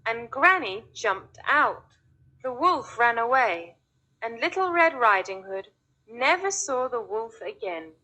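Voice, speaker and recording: A woman narrating a children's fairy tale in slow, clear, deliberate English for young learners. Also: on the high side, big pitch swings, sharp tone, low-quality recording. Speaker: storyteller. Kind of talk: scripted storybook narration.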